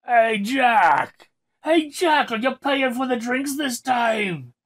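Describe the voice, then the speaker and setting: Man doing a loud, rowdy drinking pal. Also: very high-pitched, expressive, slow, pitched above the performer's own voice, full character voice. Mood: rowdy teasing. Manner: loud, jeering, calling out. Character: rowdy male drinking companions, teasing and goading. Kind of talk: dramatic storybook character voice.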